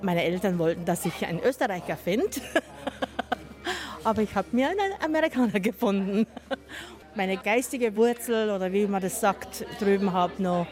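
Woman, 50s, US-raised interviewee, chatty and personal, mid-pitched. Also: moderate pace, over music. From United States. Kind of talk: casual personal account.

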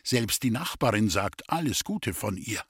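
A man's voice: on the low side, sing-song, measured pace, dry recording, clean studio sound, heavily acted. A man voicing a hot-tempered Swabian companion who scolds bluntly with dialect insults. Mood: urging. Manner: gruff, cursing with dialect insults.

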